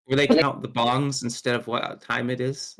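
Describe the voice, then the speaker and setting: A man's voice: medium pitch, flat delivery, moderate pace, a bit bright. A man chatting casually in a group with a teasing, bantering manner.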